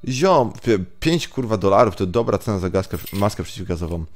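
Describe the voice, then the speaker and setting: Low voiced guy muttering through a let's play, sweary, casual, game music behind. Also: animated, a little fast. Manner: muttering, sweary, slips into English. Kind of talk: casual gameplay commentary.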